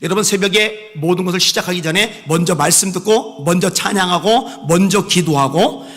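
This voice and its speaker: A pastor preaching a sermon in a church. He drives his points hard, switching between shouted exhortations and quiet asides, and has the congregation repeat phrases after him. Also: high-pitched, normal speed. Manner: leads the congregation in call-and-response repetition. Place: church sanctuary. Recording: long reverb of a church hall.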